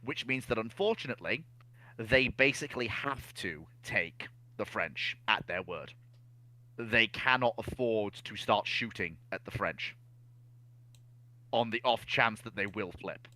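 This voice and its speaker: A man giving conversational historical analysis in a measured, explanatory manner. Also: fairly low pitch, lively intonation, pushed and bright. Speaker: naval history discussion panelist.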